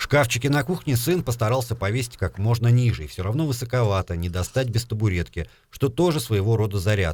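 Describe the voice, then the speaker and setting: Somewhat breathy and at a medium pitch, a man talks at a fairly quick pace with lively intonation. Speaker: TV reporter. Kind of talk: TV news report narration.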